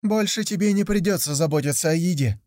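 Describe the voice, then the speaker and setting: A man voicing an eager young village boy who talks in an excited, proud way. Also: fairly high pitch, a little fast, dry recording, clean studio sound, voice pushed up, natural voice.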